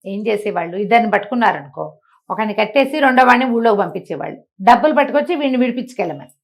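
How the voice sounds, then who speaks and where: A woman tells an old tale for children in a middle-pitched voice. She speaks conversationally, pausing to explain and putting rhetorical questions to the listener. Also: expressive, vocal fry. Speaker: storyteller. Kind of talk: oral moral storytelling for children, acting out dialogue.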